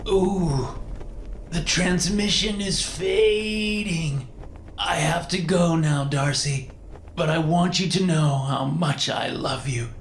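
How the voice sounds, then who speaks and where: A man voicing a medium who fakes a dead husband's loving spirit in a slow, wavering, over-pious tone. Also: fairly high pitch, echoey room, a little hiss or hum, voice pushed up.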